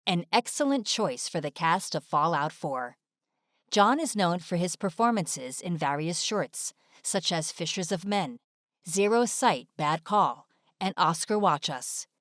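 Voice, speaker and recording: A woman's voice: on the low side, expressive, a little slow, a bit bright, no echo, studio quality. A woman delivering scripted video essay narration in a polished, presentational manner.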